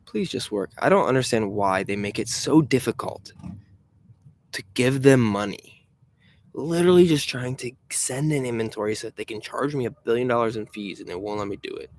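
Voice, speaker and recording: A man in his twenties, an online reseller, hosts a live stream in a mid-range, animated voice at normal speed. Chatty and rambling, he reads chat questions aloud and grumbles on the side about a website that keeps failing.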